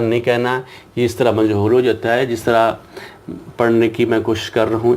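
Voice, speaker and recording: A man teaching Quran reading to children, slowly spelling out each letter and syllable and patiently repeating them. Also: lowish voice, darkish tone. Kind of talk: slow spelling-out lesson.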